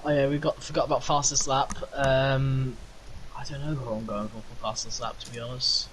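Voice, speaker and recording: A man's voice: medium pitch, flat delivery, moderate pace, fairly bright tone, a little hiss or hum, rough recording. A man hosting a casual racing podcast, chatty and teasing, laughing often. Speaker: podcast host.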